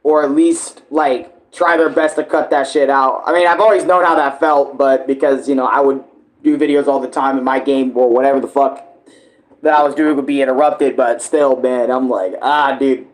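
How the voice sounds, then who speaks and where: A man's voice: mid-range voice, steady tone, moderate pace, poor audio. A man giving casual, rambling reaction commentary as host, slangy and loose with swearing.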